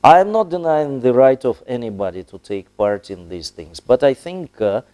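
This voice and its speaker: A man from Russia with a Russian accent, giving a formal interview in halting, deliberate, diplomatic phrases with long hesitations. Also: mid-range voice, lively intonation, warm tone. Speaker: ambassador, interview guest.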